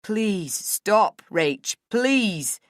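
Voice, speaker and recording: A woman voicing a frightened, tearful husband in an audiobook, gentle and pleading, with a hesitant delivery. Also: mid-range voice, animated, unhurried, no echo, studio quality, close to an everyday voice. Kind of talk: dramatic audiobook character dialogue.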